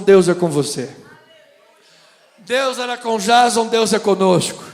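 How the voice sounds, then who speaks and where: Male Carioca pastor with a very high voice preaching in a church sanctuary, with a long hall reverb around him; moves between loud declarations and quiet asides. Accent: Carioca Brazilian Portuguese. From Brazil (Rio de Janeiro). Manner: swings from loud proclamations to quiet conversational asides. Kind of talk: sermon.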